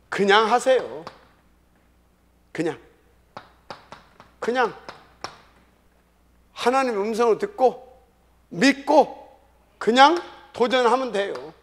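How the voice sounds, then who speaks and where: A man preaching as a pastor in a church service. He talks emphatically, swinging between loud calls and hushed, whispered repetitions. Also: sits high, slight background noise. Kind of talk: sermon. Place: church sanctuary.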